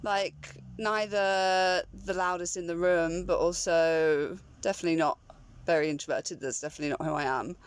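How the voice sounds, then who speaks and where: A woman's voice: lowish voice, fairly even intonation, moderate pace, clean tone. A young woman, a fashion label founder, talking as a guest in a casual chat with many ums and likes. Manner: chatty, laughs often, many ums and likes. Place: inside a car. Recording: road noise inside a car.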